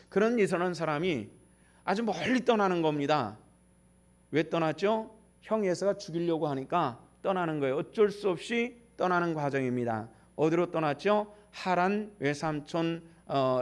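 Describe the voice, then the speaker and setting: An older man, a retired senior pastor, preaching a sermon in a church, telling a story and asking the congregation questions that he then answers himself. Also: on the high side.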